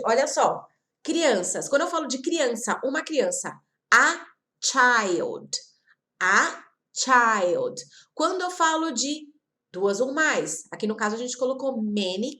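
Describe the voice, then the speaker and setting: A woman from Brazil teaching an online English lesson, repeating example words slowly and talking straight to her viewers. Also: high voice, a bit bright. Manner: slow, careful repetition of example words; chatty, addresses viewers directly.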